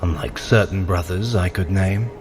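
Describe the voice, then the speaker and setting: A man's voice: low voice, moderate pace, noisy background, natural voice. A man playing a cool, clever, haughty trickster god in an audio drama, with dry, wry, precise delivery. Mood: wry, needling. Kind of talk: scripted audio drama acting.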